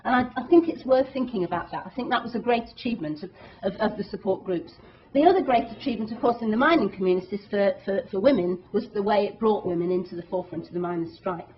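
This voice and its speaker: A woman's voice: medium pitch, quick pace. A woman activist giving a public talk to an audience, speaking earnestly and emphatically, with many restarts. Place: meeting hall. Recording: dull lo-fi talk recording.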